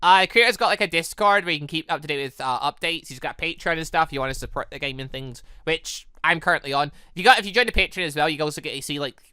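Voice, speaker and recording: A man's voice: on the high side, quick pace, hardly any pauses, sharp tone, smooth, no room sound. A man giving casual, rambling let's-play commentary as a gaming host, often repeating and rephrasing himself.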